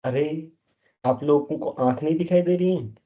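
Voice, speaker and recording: Guy teaching math, high voice, mellow tone, kinda dull lo-fi sound, keeps grilling the class. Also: moderate pace. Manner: scolding, keeps questioning students. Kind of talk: classroom lecture.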